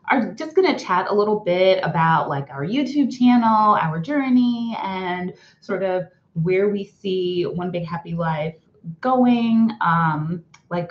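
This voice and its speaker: A young adult woman co-hosting a casual live-stream chat, upbeat and greeting viewers by name. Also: lowish voice. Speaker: vlog co-host. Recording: roomy, slightly dull live-stream audio.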